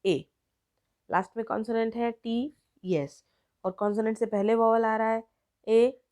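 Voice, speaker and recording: A woman with an Indian accent teaching an online grammar lesson, explaining slowly word by word and switching between Hindi and English. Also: a little high, fairly even intonation, a little mellow, clean tone.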